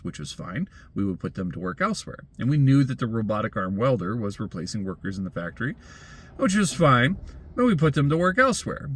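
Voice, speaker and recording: A man's voice: mid-range voice, a bit bright. Wry man reading an opinion essay. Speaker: blogger and commentator. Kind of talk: scripted opinion essay read aloud.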